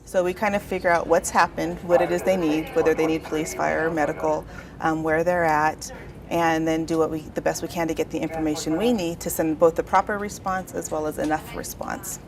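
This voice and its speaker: A woman's voice: low voice, level tone, fairly quick. A woman dispatcher explaining her work in an unscripted interview. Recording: busy chatter behind the voice.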